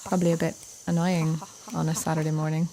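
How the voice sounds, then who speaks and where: A woman in her thirties from Northern Ireland with a Northern Irish accent, telling her own life story in a relaxed, reflective, conversational way. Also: sits low, quick pace, a little hiss or hum, rough recording. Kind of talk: personal story narration. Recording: soft music behind.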